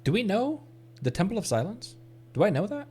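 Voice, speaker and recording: A man's voice: high-pitched, big pitch swings, a little fast, a little mellow, husky. A man doing casual live game commentary as a streamer, hesitantly thinking aloud. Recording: faint background noise.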